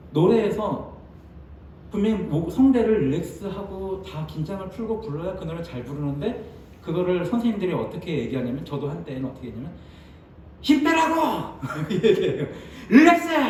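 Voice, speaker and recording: A man preaching in a church sanctuary, his voice high yet mellow. He talks to the congregation in a lively, conversational way and bursts into loud acted-out quotes. The sound is distant and echoey, with faint room noise behind. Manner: lively, acts out quoted lines with sudden loud jumps and laughs. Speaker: pastor. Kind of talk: sermon.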